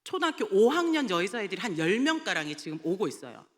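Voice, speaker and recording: A woman evangelist telling a lively testimony in a sermon, laughing often as she recounts stories. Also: medium pitch, quick pace. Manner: animated storytelling, often laughing. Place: church sanctuary. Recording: long church hall reverb.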